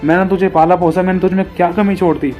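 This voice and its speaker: A man's voice: sits high, little pitch movement, fast, highs cut off, faint music behind, natural voice. A man voicing a heartbroken mother, told as part of a sermon story. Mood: grieving.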